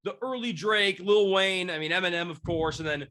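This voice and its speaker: A man's voice: sits high, moderate pace, pushed and bright. A man in his twenties, congested from a cold, hosting a casual sports podcast and rambling with lots of fillers and restarts. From Washington State, near Seattle. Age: 20s. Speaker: podcast host, sports beat writer.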